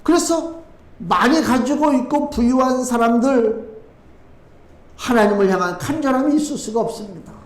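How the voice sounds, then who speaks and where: Male pastor, high voice, Sunday sermon in a reverberant sanctuary; measured scripture reading, urgent preaching. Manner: reads scripture slower and lower, then preaches with rising urgency. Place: church sanctuary. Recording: echoey church sanctuary.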